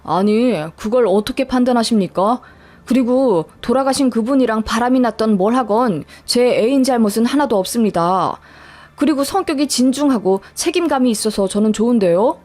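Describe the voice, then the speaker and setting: A woman voicing a dignified older man who speaks firmly and politely, lower than her own voice. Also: a little mellow. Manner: firm, measured and polite. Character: calm dignified older man, future stepfather.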